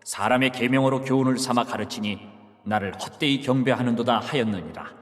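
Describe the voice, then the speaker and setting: Casting: man as a calm, solemn male teacher, mid-pitched, measured lines, long reverb tail behind him. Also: natural voice. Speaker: voice actor in dramatized Bible reading. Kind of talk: scripted Bible drama reading.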